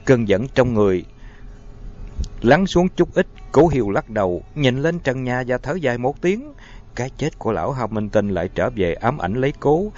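A man's voice: medium pitch, normal speed. Man narrating a story expressively. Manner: expressive, dramatic reading. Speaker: audiobook narrator. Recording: dull lo-fi audio, faint music.

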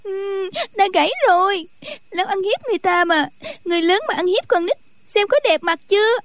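A man's voice: extremely high pitch, fairly quick, fairly bright tone, no room sound, pitched above the performer's own voice. A man voicing a bratty thirteen-year-old girl who wails and sobs as she playacts an injury. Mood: wailing. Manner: wailing, whiny and sobbing.

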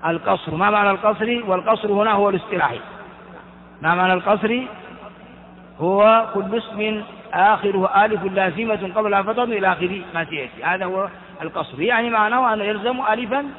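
A man teaching a grammar lesson slowly and deliberately, putting questions to his class and answering them himself. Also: sits high, a little hiss or hum. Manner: slow and deliberate, repeating key terms. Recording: tinny phone-like audio in a reverberant hall.

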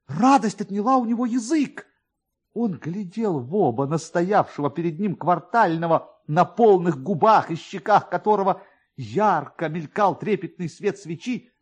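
A male narrator reads literary prose with theatrical flair. His voice sits a little high and moves widely up and down, giving a dramatised radio storytelling delivery. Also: expressive, measured pace, husky.

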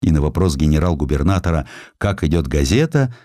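Male narrator for historical audiobook: very low register, highly varied intonation, emphatic deliberate phrasing, dry studio recording. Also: big pitch swings, dark tone, no room sound. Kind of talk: expressive scripted narration of historical sketches.

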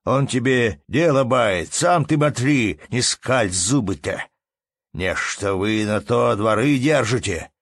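A man voicing an indignant crowd of peasants, speaking loudly and scolding in rustic speech. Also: medium pitch, animated, takes it slowly, no room sound, voice pushed up.

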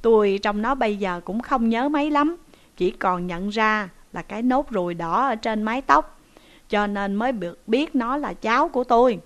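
A woman's voice: a little high, moderate pace, lightly acted. A woman voicing a shrewd, stern male village headman who speaks in a commanding, scolding way. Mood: explaining.

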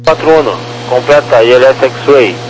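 A man's voice: medium pitch, moderate pace. A man with a Brazilian accent giving procedural instructions as an air traffic controller over two-way radio, in a police radio style. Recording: noisy, humming airband radio.

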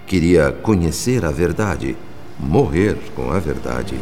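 An actor playing a grave, compassionate spirit narrator in a radio soap opera, theatrical, solemn and emphatic. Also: male voice, very deep voice, animated, slow pace, over music, full character voice. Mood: troubled, questioning.

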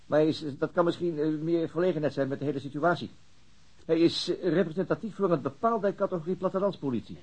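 An actor playing a weary middle-aged city detective, hesitant and understated, in a naturalistic radio drama. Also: male voice, on the high side, fast talker, darkish tone, slightly rough, rough recording. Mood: musing, hesitant.

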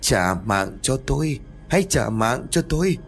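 A man voicing the vengeful ghost of a dead child, speaking in a slow, hollow, accusing way. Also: medium pitch, animated, creaky, soft background music, voice pushed up. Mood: eerie accusing.

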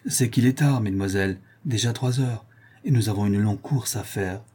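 A man's voice: lowish voice, moderate pace, dark tone, slightly rough. A man reading an audiobook aloud, voicing a curt, impatient middle-aged housekeeper.

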